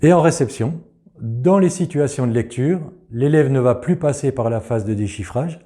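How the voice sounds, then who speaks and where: A man giving a scripted narration for a teaching method presentation, clear and measured. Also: mid-range voice, mellow.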